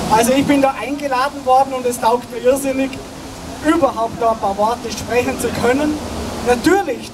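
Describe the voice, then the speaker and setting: Middle-aged male speaker, Vorarlberg dialect, chatty, quizzes the crowd; distant handheld-mic sound in a noisy square. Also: very high voice. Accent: Vorarlberg Austrian German dialect. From Vorarlberg, Austria. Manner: chatty, asks the crowd questions. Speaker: guest speaker, author. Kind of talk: public talk at an outdoor rally. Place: outdoor city square. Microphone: handheld mic, filmed from afar. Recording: distant with outdoor street noise.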